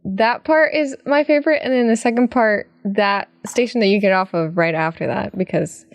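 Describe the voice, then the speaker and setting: A woman's voice: medium pitch, normal speed, dry recording. Giggly bilingual woman with dry close sound. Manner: bilingual, drops into Japanese words, giggly. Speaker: podcast co-host. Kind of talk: casual chat.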